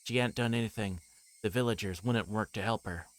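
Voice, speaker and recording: This is a brisk, low-voiced man streaming a visual novel, narrating its text live with the occasional aside. Sometimes a line trips him up and he corrects himself, all over a constant hum of background noise.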